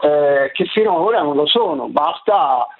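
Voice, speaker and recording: A man with a Tuscan accent, calling a radio show over the phone, talking in halting bits with many restarts. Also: a little high, animated. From Tuscany, Italy. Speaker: caller. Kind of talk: call-in radio chat. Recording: tinny phone line.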